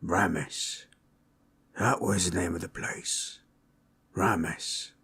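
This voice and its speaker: A man voicing a gentle, comforting orc in intimate roleplay audio, telling tribal lore in husky, unhurried, rough and ungrammatical speech. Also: deep voice, fairly even intonation, slight background noise, full character voice. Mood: somber. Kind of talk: intimate roleplay audio, slow soothing storytelling.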